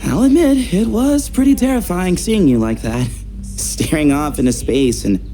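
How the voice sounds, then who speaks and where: A man's voice: high voice, normal speed, dark tone, faint music behind. A man playing an easygoing young friend in a video game, casual, playful and fond of teasing. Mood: amused, casual.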